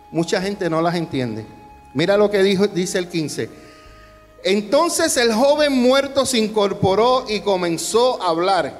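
A man preaching a sermon as pastor, asking the congregation questions and building emphasis. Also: high voice. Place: church hall. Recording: long hall reverb with faint music.

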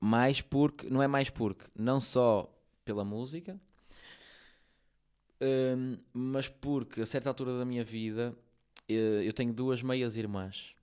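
A man's voice: medium pitch, fairly even intonation, a little slow, darkish tone, clean tone. A man from Portugal with a European Portuguese accent, chatting casually and in slang as a rapper being interviewed. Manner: slangy, informal. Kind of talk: casual chat.

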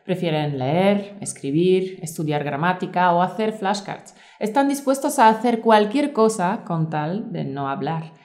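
A woman presenting a course as a teacher and podcast co-host, in a clear, measured, scripted delivery. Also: lowish voice, lively intonation, a little mellow.

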